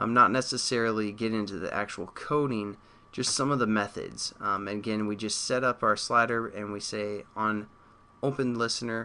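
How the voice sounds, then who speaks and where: A man's medium-pitched voice, bright and sharp in tone, with fairly even intonation. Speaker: programming tutorial instructor. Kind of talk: screencast coding tutorial. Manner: fast; casual, hesitant with fillers.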